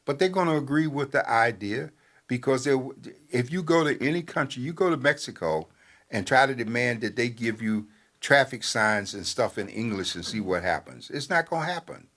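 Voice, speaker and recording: An older man, a newspaper editor, giving talk-show commentary in a measured, halting way with many fillers. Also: mid-range voice, expressive, a bit bright.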